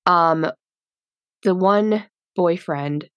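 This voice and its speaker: A woman's voice: lowish voice, drawn-out words, no echo, muffled recording. A woman co-hosting a podcast, chatting casually about a movie with lots of fillers and giggles. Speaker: podcast co-host. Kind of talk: casual movie review chat.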